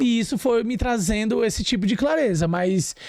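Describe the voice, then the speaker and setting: A man's high voice at a fairly slow pace, on a very clean recording with a silent background. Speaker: entrepreneur and digital influencer. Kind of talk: podcast interview. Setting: podcast recording.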